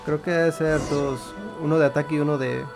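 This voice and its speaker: A man's voice: a little high, steady tone, fast, gravelly. A man with a Mexican accent giving casual, slangy gameplay commentary. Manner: informal, slangy. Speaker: gaming video host. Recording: game music behind the voice.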